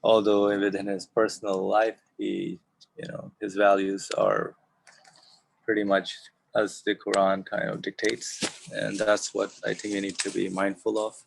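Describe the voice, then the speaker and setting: A man's voice: on the low side, monotone, a little slow, vocal fry, a little hiss or hum, poor audio. A man moderating an informal religious study discussion over a video call.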